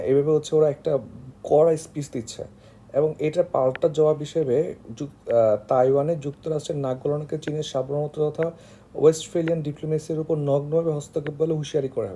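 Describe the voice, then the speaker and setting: A man with a Bangladeshi accent teaches informally in a very dark, soft-edged voice that sits slightly high and turns creaky. He explains step by step in a halting way, leaning on filler phrases. A faint noise sits behind him. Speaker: online tutor for job exam candidates.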